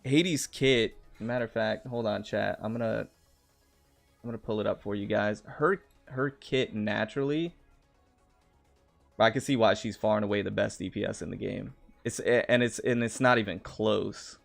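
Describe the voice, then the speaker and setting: A man's voice: fairly low pitch, normal speed, creaky, faint music behind. A man on a gaming livestream, talking emphatically and laughing easily. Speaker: streamer guest. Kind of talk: casual gaming livestream chat.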